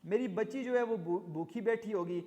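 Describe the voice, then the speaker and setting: A man voicing a cunning, scheming old female housemaid who protests loudly, in a room with long reverb. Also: high-pitched, lo-fi sound, natural voice. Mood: pleading.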